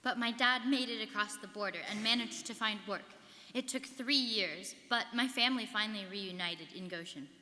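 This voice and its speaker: A woman's voice: medium pitch, moderate pace, sharp tone, slight background noise, lightly acted. A young woman, a student performer, reciting an earnest first-person life story in a rehearsed stage reading. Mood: earnest recollection. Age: young adult. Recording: live reading in reverberant hall.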